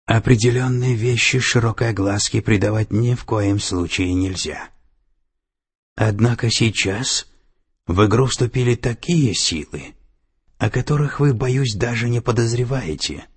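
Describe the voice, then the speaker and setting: A man's voice: fairly low pitch, measured pace, husky, voice pushed up. A man voicing a cold, domineering female security director, with an icy, commanding and menacing manner. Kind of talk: audiobook character voice.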